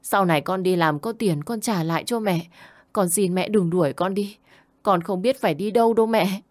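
A woman's voice: medium pitch, normal speed, a little mellow, no echo, clean studio sound, close to an everyday voice. Woman playing a pleading young daughter-in-law. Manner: pleading, apologetic.

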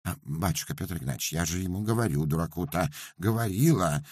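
Male reader doing a quick, plaintive peasant widow, a little higher than his own husky voice. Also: animated, a little mellow, no room sound, studio quality.

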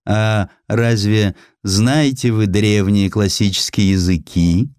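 A man's voice: fairly low pitch, fairly even intonation, slow, darkish tone, smooth, no room sound, studio quality. A man voicing a haughty, officious male official who talks down to an applicant in a condescending way. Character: haughty, dismissive official turning an applicant away.

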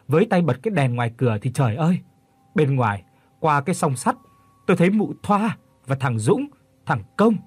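A man puts on a frightened old man from an audio horror story, speaking with a choked, pleading manner. His voice swings widely and is a little husky, and the dry recording sits close to the mic. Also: on the high side, a little mellow, no room sound. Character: frail old man, fearful and shaken.

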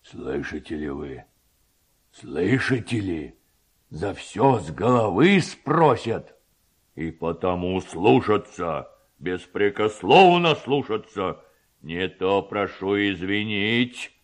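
Pompous storybook village headman, acted out by a male reader: deep, gruff, ponderously slow, commanding and boastful. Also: very animated, exaggerated voice. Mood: stern, commanding. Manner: pompous, slow, drawn-out emphatic delivery.

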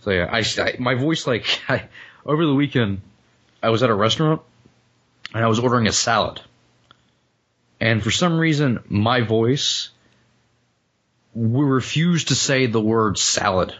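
Hoarse joking man with a lo-fi sound. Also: mid-range voice, expressive, unhurried, long pauses, fairly bright tone. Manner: joking, rambling, laughs often. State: hoarse, voice cutting out after flu. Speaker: podcast co-host. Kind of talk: casual comedic chat.

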